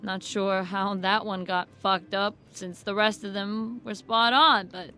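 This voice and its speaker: An actress playing a flippant, irreverent former employee in an audio drama, blunt and offhand, with folksy colloquial speech. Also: female voice, medium pitch, fairly even intonation, measured pace, sharp tone. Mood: breezy, brazen. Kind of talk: audio drama acting as interview guest.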